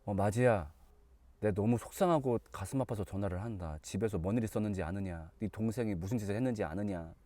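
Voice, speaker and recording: A man doing an emotional, loud-voiced father. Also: lowish voice, fast, no echo, pitched below the performer's own voice, close to an everyday voice. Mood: grieved. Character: emotional middle-aged father.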